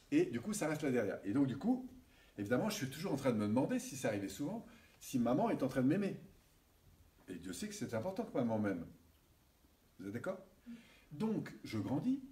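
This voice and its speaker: A man giving a seminar lecture, animated and checking in with his audience often. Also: medium pitch, a little fast, pauses often. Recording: distant mic with faint hiss.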